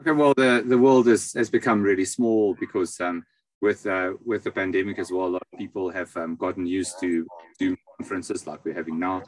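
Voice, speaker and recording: A low-pitched man is being interviewed over a video call. He explains how he works in a halting way, often pausing in the middle of a phrase. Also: fairly even intonation, poor audio. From South Africa. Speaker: interview guest, astrologer and palm reader.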